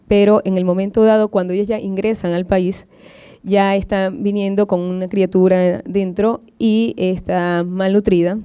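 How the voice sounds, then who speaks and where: A woman's voice: medium pitch, mellow, clear, resonant tone. A woman from Venezuela, a postgraduate student, asking questions from the audience at a medical symposium with many hesitant fillers.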